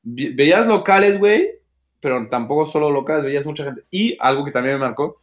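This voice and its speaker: Slangy young Mexican man, higher voice. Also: fairly quick. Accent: Mexican Spanish. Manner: slangy, drops English phrases. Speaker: podcast co-host. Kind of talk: casual chat.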